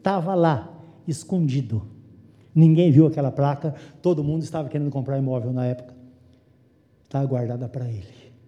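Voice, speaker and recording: Brazilian pastor, sixties, man, very mellow dark tone, preaching in a reverberant church. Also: mid-range voice, normal speed, muffled recording. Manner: conversational, swings between hushed and emphatic. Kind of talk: sermon with personal storytelling.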